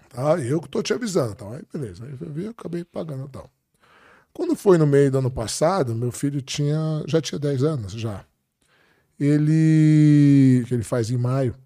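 Brazilian man telling animated anecdotes. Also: fairly high pitch, no echo, clean studio sound. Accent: Brazilian Portuguese. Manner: animated anecdotes with quoted dialogue. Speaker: podcast guest. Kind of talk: casual storytelling.

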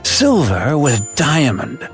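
A man's voice: mid-range voice, huge pitch swings, slow, faint music behind, exaggerated voice. A man voicing an old male pirate storyteller who tells tales of lost treasure in pirate slang with a theatrical drawl. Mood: jolly. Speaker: narrator. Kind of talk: scripted narration.

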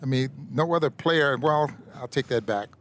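A man's voice: medium pitch, moderate pace, a bit bright, a little hiss or hum. A man on a postgame sports radio show, easily recapping a player's big night and sharing a golf story. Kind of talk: postgame analysis chat.

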